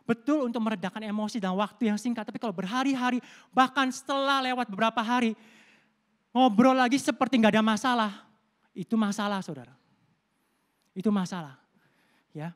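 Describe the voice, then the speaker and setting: A man's voice: extremely high pitch, fast, a bit bright. Middle-aged man preaching conversationally. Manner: conversational preaching, addresses listeners as "saudara", tells personal stories; mixes in English words. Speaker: pastor. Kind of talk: Sunday sermon. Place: church service.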